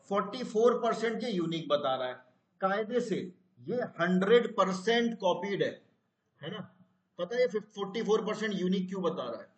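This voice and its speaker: ऊँची आवाज़ वाला हिंदी शिक्षक, online class. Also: male voice, sits high, reverberant. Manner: explains step by step, asks the class questions. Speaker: teacher. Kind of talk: live online class.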